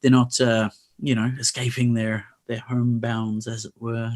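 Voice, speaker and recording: A man's voice: medium pitch, flat delivery, a little slow, a little mellow. A man from Australia chatting wryly over a video call at a party, rambling and joking. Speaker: party guest. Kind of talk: casual chat on a video call.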